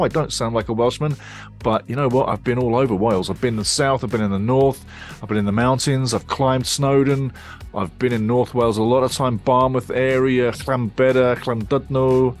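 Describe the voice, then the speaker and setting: A man hosting a football fan show in casual, upbeat chat, with punchy exclamations and lots of repeating himself. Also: medium pitch. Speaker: fan channel host. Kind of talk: casual pre-match football show talk.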